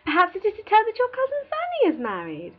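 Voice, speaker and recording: A woman's voice: very high voice, wildly swooping pitch, fast, muffled recording, full character voice. A woman playing a jovial, teasing older matron who pries insistently in a dramatised classic novel, with exclamations. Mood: teasing, prying.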